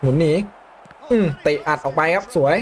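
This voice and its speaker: A young man commentating his own football video game match, calmly explaining tactics between loud excited outbursts. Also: on the high side, normal speed. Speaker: gaming YouTuber. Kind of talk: live gameplay commentary.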